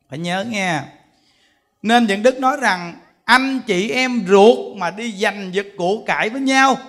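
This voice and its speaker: A man giving a Buddhist sermon, telling stories in an animated way and acting out the voices of the people he quotes. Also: high voice. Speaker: Buddhist monk teacher.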